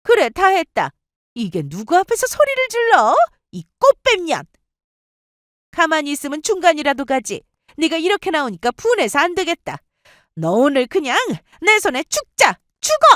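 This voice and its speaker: Brief: a woman playing a shrill, high-pitched mother-in-law in an audio story, spiteful and screeching, dry close sound. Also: sing-song, moderate pace, fairly bright tone, no echo. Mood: mocking, furious. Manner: screeching insults and threats. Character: shrill, scornful middle-aged woman, vicious future mother-in-law.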